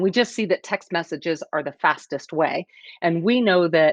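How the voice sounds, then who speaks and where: A woman speaks at a fairly low pitch and a moderate pace with ordinary pitch variation. The background is quiet, and the sound is dry and close with no echo. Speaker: veterinary community co-founder. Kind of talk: podcast interview. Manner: can sound authoritative.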